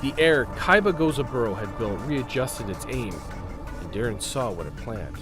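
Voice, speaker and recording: A man's voice: medium pitch, animated, normal speed, music in the background. A man narrating a scripted audio drama with intense, suspenseful delivery, broken phrase by phrase.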